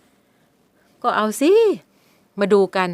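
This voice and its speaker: A woman's voice: mid-range voice, big pitch swings, brisk, no echo, close to an everyday voice. Lady playing a smug sleazy stepdad, coarse taunts, dry voice. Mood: mocking. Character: crude leering young stepfather, man.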